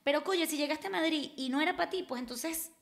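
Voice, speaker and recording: A woman's voice: high voice, fairly quick, creaky. A woman, a podcast guest talking emphatically in a casual chat, recorded on a desk mic in a small studio. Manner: emphatic, gestures a lot, restarts often. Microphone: desk microphone.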